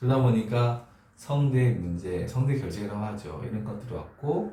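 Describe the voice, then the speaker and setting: He speaks at a moderate pace in a medium male pitch. His intonation is lively. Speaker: network marketing consultant and author. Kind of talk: online lecture video.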